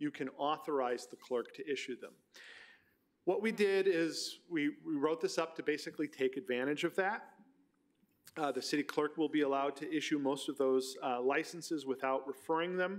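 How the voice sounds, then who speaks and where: Speaking at a moderate pace, a man with a fairly high pitch and ordinary pitch variation has an unremarkable speaking voice. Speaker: city attorney. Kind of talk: public committee meeting, explaining ordinances. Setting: city hall council chambers. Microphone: podium.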